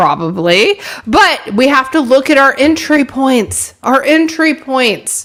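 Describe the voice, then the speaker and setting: The speaker uses a raised, projected voice. The tone is animated. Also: woman. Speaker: crypto show host. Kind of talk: live stream market commentary.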